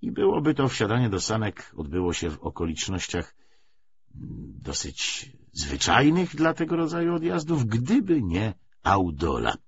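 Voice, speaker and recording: Lower-pitched, slightly husky male audiobook narrator. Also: big pitch swings, a little slow, lo-fi sound. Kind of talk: scripted literary narration.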